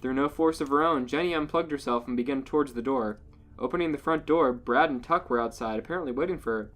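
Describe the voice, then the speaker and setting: A man's voice: medium pitch, fast, fairly bright tone. A man co-hosting a podcast, reading out comic fan fiction as a narrator. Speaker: podcast co-host reading a story. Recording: music playing under the voice. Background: music.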